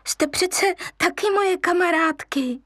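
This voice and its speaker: A woman's voice: very high-pitched, a bit bright, no room sound, studio quality, voice pushed up. Woman voicing a wheedling little lion cub. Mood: coaxing. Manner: wheedling, pleading. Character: little male lion cub, eager and coaxing.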